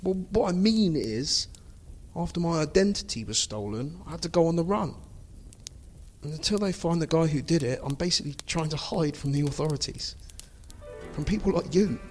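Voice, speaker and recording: A man's voice: on the high side, expressive, normal speed, darkish tone, faint music behind. A man acting in an amateur audio drama as a bewildered fugitive, speaking earnestly and expressively. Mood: worried. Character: bewildered fugitive man hiding among Sasquatches.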